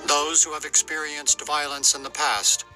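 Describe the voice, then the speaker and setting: A man giving even, explanatory scripted narration in a documentary. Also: a little high, normal speed, poor audio. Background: clear music bed.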